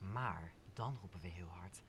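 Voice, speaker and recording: A man's voice: sits low, a little slow, fairly bright tone. A young man playing a scheming, impatient villain in an audio drama. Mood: conspiratorial. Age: young adult. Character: scheming, impatient villain plotting in hushed tones. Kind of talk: Dutch audio drama of Shakespeare.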